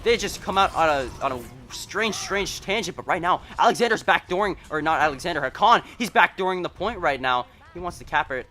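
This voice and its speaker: A man casting a live esports match as play-by-play commentator, fast and excitable, chatting with his co-caster. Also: on the high side. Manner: fast, excited play-by-play that rises at big moments; self-deprecating and chatty with co-caster.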